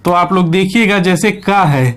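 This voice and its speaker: A man with a high-pitched voice delivers an online grammar lecture. He keeps asking the class questions and answering them himself, and he drills each point with short confirming checks. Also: normal speed. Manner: repeats key points with frequent checks. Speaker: Hindi grammar teacher. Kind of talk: online exam-prep lecture.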